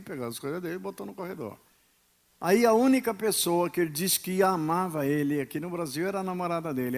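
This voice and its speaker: A man with a Brazilian Portuguese accent preaching a sermon as pastor, emphatic, with sharp swings between loud and quiet. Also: fairly high pitch. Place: church.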